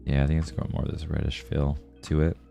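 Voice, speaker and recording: A man with a low voice, stuffed up from a sore throat, chats casually on a livestream as he draws. He talks to viewers in a friendly, slangy way. Music plays behind him. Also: completely flat delivery, fast talker, creaky, warm tone. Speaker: art livestreamer. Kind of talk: casual livestream chat while drawing.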